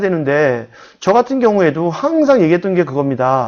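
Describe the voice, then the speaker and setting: Very fast, excited speech with very wide pitch swings. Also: man. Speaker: stock trading YouTuber. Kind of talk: tutorial.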